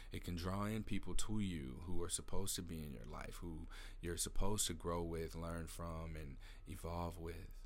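A man with a very deep, low pitch talks at a moderate pace and fairly even intonation in a room with audible echo. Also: big swings in loudness. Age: 30s. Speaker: podcast host, nonprofit founder. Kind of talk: solo reflective monologue. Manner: hesitant, filler-heavy.

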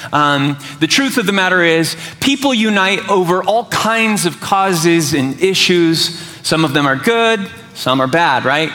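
Against noticeable background noise, a man with a high pitch speaks at a fairly slow pace in a warm, animated tone, with lively intonation and very even loudness. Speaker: preacher. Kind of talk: sermon to a live congregation, Bible teaching with call-and-response amens. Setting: church. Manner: warm, animated and encouraging, conversational with vivid scene-painting; interactive, pausing to invite the crowd to respond.

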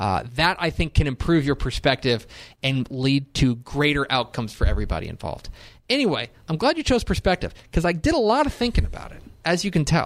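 With vocal fry and lively intonation, a man speaks fairly high in pitch at a fairly quick pace. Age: 30s. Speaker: podcast co-host. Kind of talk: prepared reflection on a topic; casual chat. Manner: halting.

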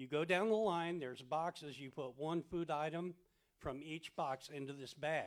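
With ordinary pitch variation and a fairly high pitch, this man has an ordinary speaking voice. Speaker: church member sharing testimony. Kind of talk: testimony. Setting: church service with live stream.

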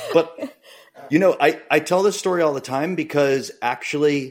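A man with an American accent speaks at a fairly high pitch with ordinary pitch variation, in an ordinary speaking voice. The recording is very clean, with a silent background. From Massachusetts (Boston area). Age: 30s. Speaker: podcast host, swim coach. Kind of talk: casual interview chat.

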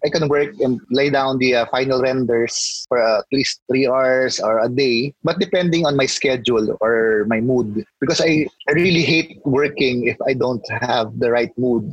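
A man with a Filipino accent, ordinary pitch variation, very even loudness and hardly any pauses. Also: medium pitch for a man, moderate pace. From Philippines, Metro Manila. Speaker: comic book colorist. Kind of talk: interview. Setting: video call.

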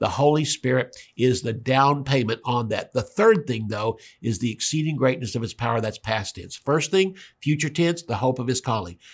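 Somewhat breathy, a man talks at medium pitch and a moderate pace with lively intonation. The recording is very clean, with a silent background. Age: 70s. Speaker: pastor and Bible teacher. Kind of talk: teaching sermon. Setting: broadcast with studio audience.

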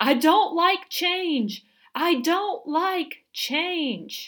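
A woman does a put-on character voice at an extremely high pitch. She speaks at a very slow pace. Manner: flailing, agitated, worried.

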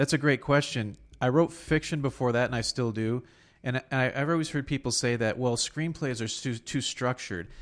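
A normal speaking voice in an American accent moves at a fairly quick pace with ordinary pitch variation, on a very clean recording with a silent background. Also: man, medium pitch for a man. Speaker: stand-up comedian, former college professor. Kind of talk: casual chat.

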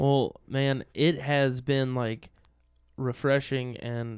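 A man speaks in a Southern US accent at a medium pitch. His intonation is monotone and flat. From Mississippi, Horn Lake. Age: 20s. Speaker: podcast host. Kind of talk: podcast intro; casual interview.

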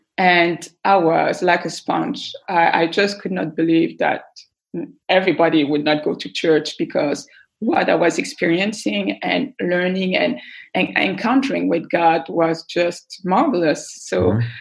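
With vocal fry and lively intonation, a woman speaks fairly slowly at a fairly low pitch. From Belgium (Brussels), Haitian parents. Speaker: campus ministry leader. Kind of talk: interview.

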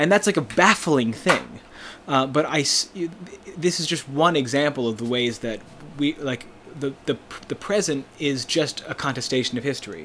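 Over noticeable background noise, a man with an American accent speaks at a moderate pace, his fairly high pitch moving with ordinary variation. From New Jersey, near Princeton. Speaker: high school history teacher and folk punk musician. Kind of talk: casual interview conversation. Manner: halting, many fillers.

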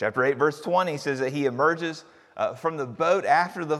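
A man speaks in an unremarkable speaking voice at a fairly high pitch. His intonation stays fairly even. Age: 40s. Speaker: pastor. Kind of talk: sermon. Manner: frequent filler words.

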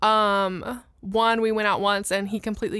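Bright, sharp tone from a woman with an American accent, on a very clean recording with a silent background. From Oklahoma, US. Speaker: podcast guest talking about dating. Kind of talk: casual chat.

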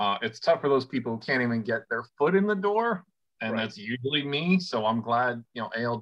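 Here is a man with an American accent and a plain, everyday voice, pitched in the medium range. He talks at a fairly quick pace with lively intonation. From New York City. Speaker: sneaker collector. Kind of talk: casual chat.

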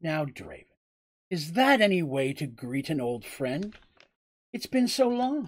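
Putting on a character voice, a man speaks high and fairly slowly with very wide pitch swings and long, frequent pauses on a very clean recording with a silent background. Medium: read story. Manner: smooth, polite, self-assured.

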